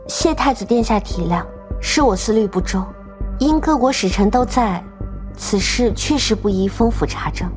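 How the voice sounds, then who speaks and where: A woman's voice: a little high, normal speed, darkish tone, faint music behind, lightly acted. An actress playing a clever, composed young noblewoman in a period drama, courteous with playful asides. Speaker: commandery princess heroine.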